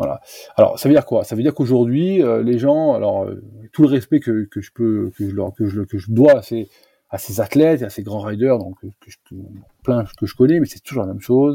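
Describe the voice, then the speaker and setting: A man speaks at a medium pitch with a dark, mellow tone and big swings in loudness. The sound is dry and close with no echo, in a very clean recording with a silent background. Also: ordinary pitch variation, moderate pace. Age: 40s. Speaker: mountain bike traveller and publisher. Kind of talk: interview. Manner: halting.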